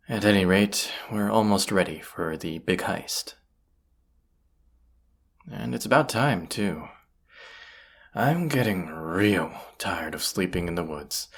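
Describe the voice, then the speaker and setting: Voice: low voice, vocal fry, heavily acted. A performer playing a roguish bandit leader in a fantasy audio roleplay, grumbling yet confident, with folksy, sardonic muttering to the listener. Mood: grumbling, watchful.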